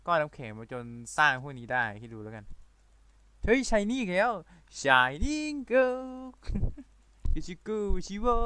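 A man giving excitable let's-play commentary, talking in rapid-fire bursts with playful loud exclamations. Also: mid-range voice, clear, resonant tone, no echo. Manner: rapid-fire talker who admits he talks too fast and runs out of breath. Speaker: gaming video creator.

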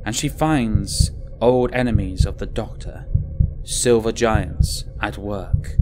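Man, audiobook narrator, measured dramatic delivery, low pitch, ambient music.

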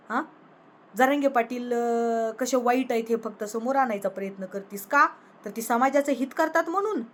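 A woman vlogger in a political rant, angrily scolding a rival with rhetorical questions. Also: a little high. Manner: angry, scolding, confrontational.

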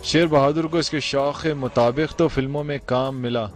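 A man's voice: medium pitch, fairly even intonation, normal speed, faint music behind. A male reporter reading a formal news voice-over in polished Urdu.

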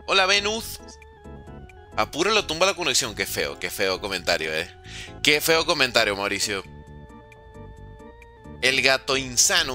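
A man's voice: a little high, bright, forceful tone. A young man hosting a gaming livestream, greeting viewers by name and teasing them in casual chat. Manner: chatty, teasing, reads chat names aloud.

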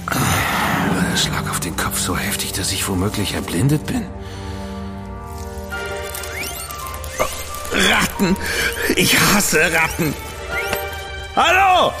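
An actor playing a refined dandy writer in a radio play, haughty and indignant toward his captors. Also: mid-range voice. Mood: alarmed. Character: indignant refined male dandy writer, proud and sharp-tongued.

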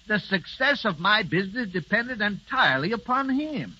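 A flustered stammery husband, really bright high voice, muffled old-time radio broadcast. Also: male voice, sing-song, normal speed, exaggerated voice. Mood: stern. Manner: stammering, earnest. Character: fretful businessman husband, fond but exasperated. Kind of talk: 1930s radio drama acting.

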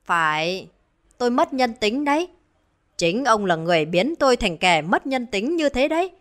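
A woman voicing a cruel, scheming middle-aged village wife who taunts in a shrill, sneering voice. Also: animated, unhurried, fairly bright tone. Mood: defiant. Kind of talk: dramatized horror storytelling.

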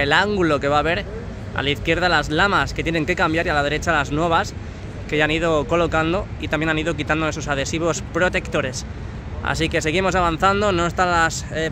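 A man from Spain giving jokey, chatty commentary as he walks outdoors, filming on his phone. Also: a little high. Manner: jokey, chatty, broken English with foreigners. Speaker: vlogger. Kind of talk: casual walking commentary. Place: outdoors on a city street. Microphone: phone held by the speaker. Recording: traffic noise outdoors.

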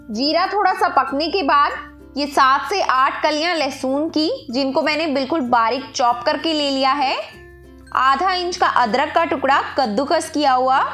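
A woman's voice: high voice, fairly bright tone. A woman hosting a cooking channel, narrating a recipe step by step and speaking directly to her viewers. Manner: instructive, addresses viewers directly.

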